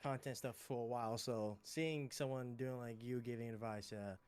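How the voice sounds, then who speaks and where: A man's voice: medium pitch, steady tone, moderate pace, darkish tone, smooth. A man on a casual call, asking questions in an upbeat, chatty way with lots of fillers. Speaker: caller.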